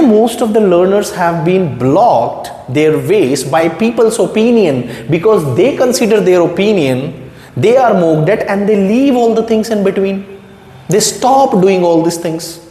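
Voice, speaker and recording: A man teaching English as his second language in a gentle, reassuring tone. He repeats phrases and asks questions back to the listener. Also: high-pitched, a little hiss or hum. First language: not English. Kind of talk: motivational spoken lesson to camera. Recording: echoey room with long reverb.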